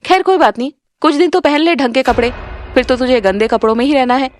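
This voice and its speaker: A woman voicing a cruel, scolding middle-aged stepmother in an animated story. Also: sits high, quick pace, slight background noise, natural voice. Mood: threatening. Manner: scolding, sneering.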